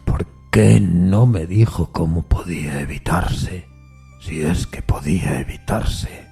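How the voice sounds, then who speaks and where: A man playing an anguished railway signalman haunted by a spectre, earnest, deferential and hushed, in a dramatic audio story. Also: deep voice, slow, vocal fry, husky, soft background music, full character voice. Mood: desperate, pleading. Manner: troubled, pensive, hushed.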